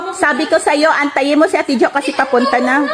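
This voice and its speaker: Loud and high-pitched, a woman talks at a fairly quick pace over noticeable background noise. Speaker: employer. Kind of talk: heated argument.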